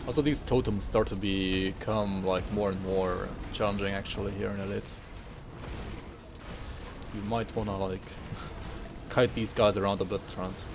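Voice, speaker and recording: Relaxed man chatting through gameplay. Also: lowish voice, a little slow, long pauses, over music. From partly raised in Sweden. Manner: relaxed and rambling, ends points with a tag question; chats with viewers while playing. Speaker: streamer. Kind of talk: casual gameplay commentary.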